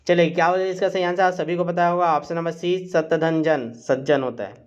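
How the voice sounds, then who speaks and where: A man's voice: fairly high pitch, fairly even intonation, brisk, lo-fi sound. A man teaching a live online exam-prep quiz class, reading out questions and options and coaxing students with "theek hai". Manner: coaxing, repeats "chaliega" and "theek hai", reads options aloud.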